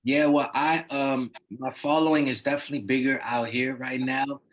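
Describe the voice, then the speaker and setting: A man's voice: mid-range voice, fairly even intonation, moderate pace, fairly bright tone. A young man raised in the Netherlands, a rapper talking as an interview guest in a laid-back, loose way with lots of "you know what I mean" fillers. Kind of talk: casual interview talk.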